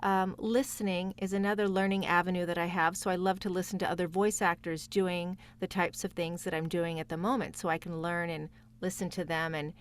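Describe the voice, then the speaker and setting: A woman's voice: on the low side, little pitch movement, brisk, hardly any pauses, clear, resonant tone. A woman speaking as a guest voice actor in a casual interview, enthusiastic and reflective.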